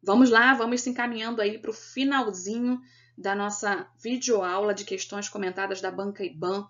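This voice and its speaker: A woman's voice: mid-range voice, fairly even intonation, moderate pace, lo-fi sound. A Brazilian Portuguese-speaking woman teaching an exam-prep grammar lesson, explaining step by step and checking in with her students. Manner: didactic, checks in with "né?" and "beleza?". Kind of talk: recorded video lesson.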